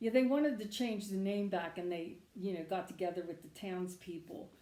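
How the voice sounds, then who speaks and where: A woman with an American accent speaks at a medium pitch. There is audible echo from the room. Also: ordinary pitch variation, moderate pace. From Wilmington, Delaware (US Mid-Atlantic). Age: 70s. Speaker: needlework designer. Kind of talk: casual interview chat. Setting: in a barn.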